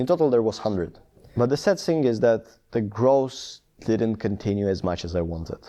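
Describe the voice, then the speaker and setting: A man with a non-native accent speaks at a moderate pace in a medium pitch, his dark, mellow tone carrying lively intonation over a quiet background. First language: not English. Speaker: YouTuber. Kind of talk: personal storytelling vlog.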